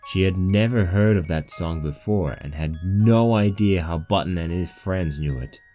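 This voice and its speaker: A man's voice: deep voice, darkish tone. A man reading a story aloud as its narrator, in scripted storytelling style. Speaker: narrator of a fan fiction reading.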